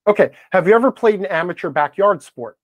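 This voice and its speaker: Animated, assertive man with swooping pitch. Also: fast, no echo, lo-fi sound. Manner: assertive, interjecting, questions the other speaker pointedly. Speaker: podcast guest, game-advice blogger. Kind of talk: animated conversational debate.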